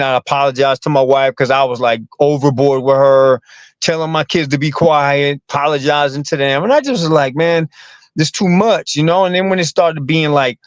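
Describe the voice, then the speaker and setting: A man's voice: a little high, no echo. A man, a comedian and actor, talking casually in an interview, rambling and repeating words with streetwise slang.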